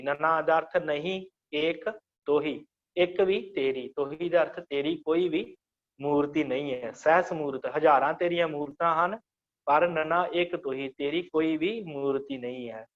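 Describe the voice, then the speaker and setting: Slowly chanting verse after verse, a man with a somewhat high voice leads a scripture lesson and patiently explains each line word by word. The sound is muffled and low-fidelity, resembling an online class recording.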